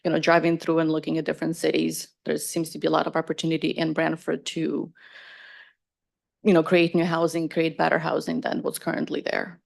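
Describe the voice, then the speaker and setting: A woman's voice: sits low, completely flat delivery, a little fast, vocal fry. A woman from Ukraine, a property owner, answering council questions in a casual way, often saying "like" and "you know".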